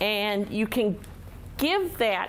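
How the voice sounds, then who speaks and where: Speaking at a medium pitch, a woman talks in an American accent. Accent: Wisconsin accent (cheese remark). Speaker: extension educator. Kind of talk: workshop presentation.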